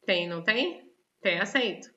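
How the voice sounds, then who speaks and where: In a muffled recording with a bit of hiss or hum, a woman speaks in a mid-range voice at a measured pace. She teaches an online class with a Brazilian Portuguese accent, lively and often asking her students questions.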